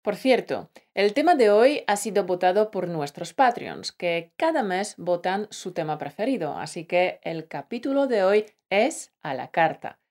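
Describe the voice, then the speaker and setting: A woman co-hosts a scripted language lesson. She talks to the listener in a playful, affectionate way, at a middling pitch. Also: expressive, measured pace, few pauses, a little mellow. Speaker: podcast co-host, Spanish teacher. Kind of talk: scripted teaching podcast.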